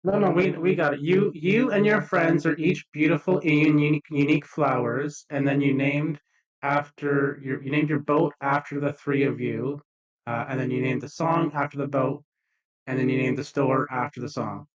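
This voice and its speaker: A man's voice: fairly high pitch, steady tone, normal speed. Casual man, slightly dull lo-fi sound. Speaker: tabletop game player. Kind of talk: casual improvised banter.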